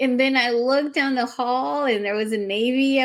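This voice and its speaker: Against noticeable background noise, a woman with a Spanish accent speaks at a high pitch with ordinary pitch variation. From Mexico. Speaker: Army combat veteran and advocate. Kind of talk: interview. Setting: podcast.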